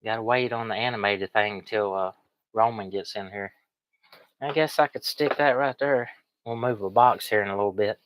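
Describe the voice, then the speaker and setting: A man with a cold, slightly sniffly, chats in a folksy, rambling way to viewers. His voice sits fairly low. The sound is close and dry. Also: steady tone, normal speed, no echo, muffled recording. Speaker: online reseller streaming. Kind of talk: casual livestream chat.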